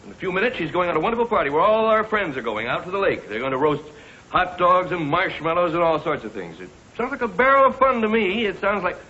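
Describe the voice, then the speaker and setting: A teasing, fond middle-aged dad. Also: male voice, fairly low pitch, very animated, normal speed, slightly rough, exaggerated voice. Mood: bluffing. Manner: gentle, teasing. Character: fond middle-aged father Harry Archer. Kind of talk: 1940s radio acting. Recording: dull old radio broadcast.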